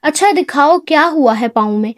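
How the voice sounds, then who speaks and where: A man's voice: very high voice, expressive, a bit bright, no echo, clean studio sound. A woman voicing a strict older brother and businessman who speaks curtly and with exasperation. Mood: stern. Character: stern, rule-bound older brother, businessman.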